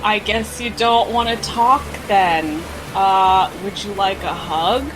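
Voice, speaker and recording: A woman's voice: medium pitch, steady tone, slow pace, over music, low-quality recording. A woman chatting casually as a player in a tabletop game, playful and slangy.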